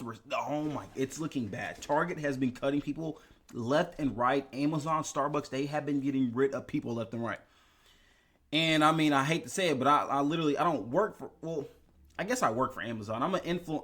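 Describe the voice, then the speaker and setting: A young man, a finance YouTuber with a fairly high, slightly bright voice, chats casually in an investing vlog. He's tired from lack of sleep and rambles, restarting often.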